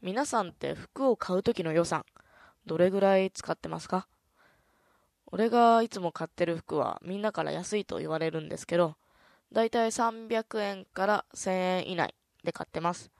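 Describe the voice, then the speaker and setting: A woman hosting a casual radio talk show, soft-spoken and easygoing, with a stuffy nose. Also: lowish voice, normal speed, creaky, no echo, studio quality. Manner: soft, easygoing, chatty, with many "un" fillers. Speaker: radio host.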